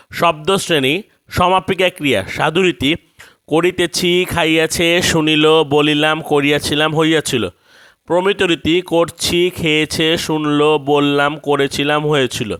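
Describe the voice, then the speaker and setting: A man narrating a scripted grammar lesson, reading out word lists one by one in a measured way. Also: on the high side, a bit bright. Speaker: grammar teacher.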